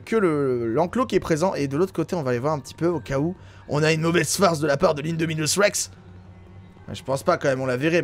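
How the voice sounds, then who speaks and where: Chatty high-voiced French man gaming. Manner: chatty, excitable, thinks aloud with many fillers. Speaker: gaming YouTuber. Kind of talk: casual let's-play commentary.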